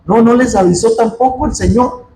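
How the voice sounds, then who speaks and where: A man preaches to his congregation, his voice pitched fairly high. He tells his story with animation, acts out the dialogue and keeps calling his listeners "hermano". The church sounds roomy and echoey, with faint ambience behind him. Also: moderate pace, dark tone, a little hiss or hum. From Mexico. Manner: addresses the congregation often as "hermano". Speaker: pastor. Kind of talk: sermon with personal anecdote.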